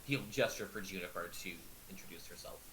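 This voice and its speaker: A man's voice: sits low, brisk, fairly bright tone, rough recording. Casual man playing a tabletop game. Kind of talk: casual game chat and narration. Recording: clear background hiss and noise.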